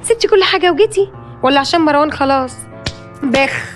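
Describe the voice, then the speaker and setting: An actress playing a defiant, sharp-tongued young woman who speaks sarcastically with an Egyptian accent in a TV drama. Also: sits high, expressive, fast, soft background music. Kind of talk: TV drama acting.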